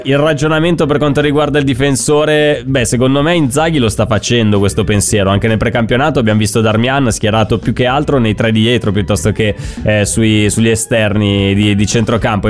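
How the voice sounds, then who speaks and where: Casting: male sports talk host, somewhat low voice, wordy conversational analysis over faint music. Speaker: host of football talk show.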